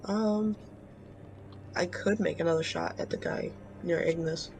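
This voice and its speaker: Creaky-voiced tabletop player. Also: medium pitch, steady tone, measured pace, darkish tone, soft background music. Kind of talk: casual in-game chat, hesitant fillers.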